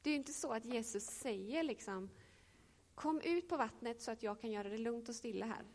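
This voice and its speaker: Woman preaching with a gravelly voice. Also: fairly high pitch, a little mellow. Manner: reflective, with frequent hesitations. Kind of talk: sermon with Bible reading.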